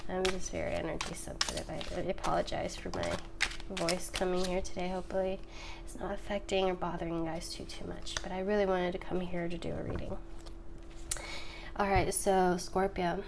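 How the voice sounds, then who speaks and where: A woman with a raspy, congested voice giving a casual tarot reading to camera, chatty and reassuring, sometimes dropping to a whisper. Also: on the low side, flat delivery, a little fast, noisy background. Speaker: tarot reader.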